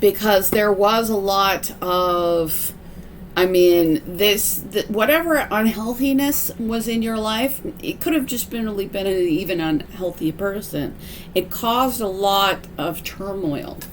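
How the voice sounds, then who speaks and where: Against noticeable background noise, a woman with a medium pitch speaks at a fairly slow pace with lively intonation. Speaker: tarot reader. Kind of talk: pick-a-card tarot reading. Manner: halting, many fillers and restarts.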